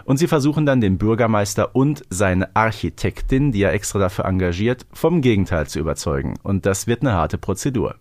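A man's voice: on the low side, animated, brisk, hardly any pauses, darkish tone, dry recording. A man co-hosting a podcast, talking in a conversational way. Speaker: podcast co-host.

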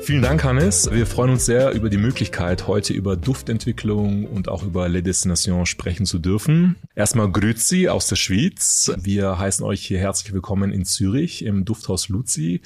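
A man from Germany leads a casual interview. He speaks fluently and in a friendly, welcoming way. His voice sits a little low. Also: lively intonation, normal speed, hardly any pauses, darkish tone, faint music behind. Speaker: head of marketing, interviewer.

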